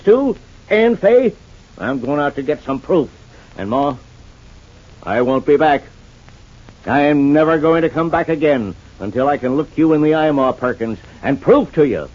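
Folksy rural American man, earnest drawl, husky voice, muffled old radio sound. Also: a little high, darkish tone. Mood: indignant. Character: Shuffle, plain-spoken rural older man. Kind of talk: 1940s radio acting. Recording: dull old radio transcription.

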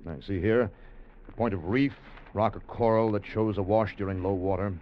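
A man's voice: fairly low pitch, fairly even intonation, moderate pace, slight background noise, natural voice. An actor playing an earnest, hesitant man leading a treasure salvage voyage, in 1940s radio acting, on a dull old broadcast recording. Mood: explaining.

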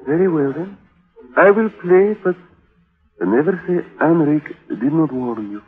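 An actor playing a superstitious, courtly gypsy violinist in a 1940s radio drama, formal and portentous in halting phrases, on a muffled recording. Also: male voice, a little high, lively intonation, slightly rough. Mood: foreboding.

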